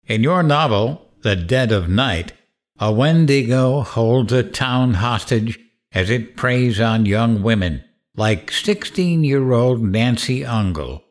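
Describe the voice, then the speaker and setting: A man playing a mad, grieving radio host out for revenge in an audio drama, taunting in a theatrical, deliberate way. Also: mid-range voice, lively intonation. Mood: mocking, angry. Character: mad, vengeful, grieving male late-night radio host. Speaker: radio show host character.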